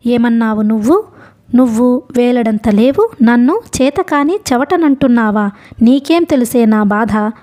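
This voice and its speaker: A desperate middle-aged mother , voiced by a woman reading a novel aloud, shouts bitter threats at her daughter. Her voice sits fairly high and yet stays soft and mellow in tone. This is an audiobook reading. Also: animated, measured pace. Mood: raging.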